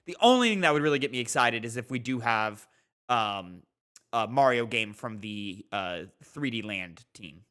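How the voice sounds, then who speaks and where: A man chats as a podcast co-host in an informal, bantering way. His voice is bright, at a middling pitch. He speaks like he is among friends. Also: animated, normal speed, clean tone. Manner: sweary. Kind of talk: casual chat, bantering.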